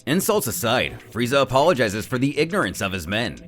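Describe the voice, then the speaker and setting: This man's mid-range voice swings widely in pitch as he narrates a suspenseful story recap with theatrical flair, going a little fast with a slightly bright tone. Music plays behind him.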